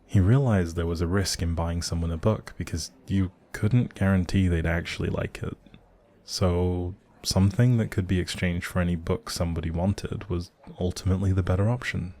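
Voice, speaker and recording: Male actor as a grumpy male barista, lowish pitch, secretly sweet, bookish, dry teasing, hesitant asides, close audio roleplay. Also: steady tone, moderate pace, a little mellow. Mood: curious, chatty. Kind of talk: intimate audio roleplay addressed to the listener.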